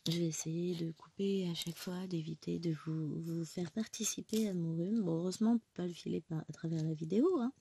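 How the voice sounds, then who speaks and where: A woman's voice: on the low side, fairly even intonation, a little fast, hardly any pauses, dark tone, a little hiss or hum. A woman in her thirties with a cold, chatting casually at home while she stitches, rambling and correcting herself as she goes. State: has a cold. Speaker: crafting vlogger. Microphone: phone close by.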